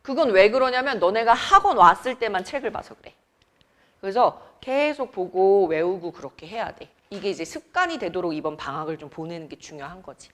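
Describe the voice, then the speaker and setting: A woman's voice: medium pitch, very animated, brisk, a bit bright. A young adult woman from Seoul teaching grammar in a classroom, chatty and teasing as she quizzes her students. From Seoul, South Korea. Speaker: academy Korean teacher. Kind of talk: classroom lecture.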